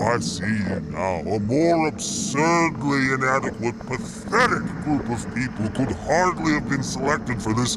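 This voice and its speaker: An actor playing a gloating, contemptuous villain who savors each word with pompous scorn in an audio drama. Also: male voice, medium pitch, noisy background. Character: gloating, contemptuous villainous observer mocking fools. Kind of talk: audio fiction drama acting.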